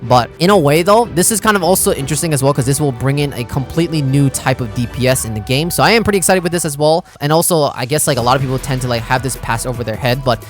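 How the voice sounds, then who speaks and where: Guy gamer youtuber talking really fast, thinking out loud, slangy, faint music behind him. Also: mid-range voice, expressive. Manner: informal, slangy, thinking aloud. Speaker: gaming YouTuber and streamer. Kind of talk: casual game reaction commentary. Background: background music.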